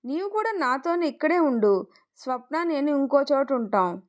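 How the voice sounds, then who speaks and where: A woman's voice: sits high, lively intonation, normal speed, pitched above the performer's own voice. Defensive young husband, as a woman reads him. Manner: evasive, pleading.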